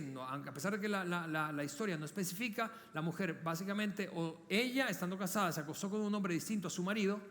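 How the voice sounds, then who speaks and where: Pastor guy preaching, pretty high voice, earnest and chatty, lots of reverb. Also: a bit bright. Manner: earnest, conversational, with many repeated words and direct questions to listeners. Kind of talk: sermon. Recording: long hall reverb.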